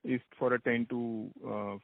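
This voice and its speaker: A man's voice: medium pitch, little pitch movement, a little slow, gravelly, background noise. A man with an Indian accent asks questions as an analyst on a conference call, wordy and a little hesitant. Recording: dry, narrow phone line.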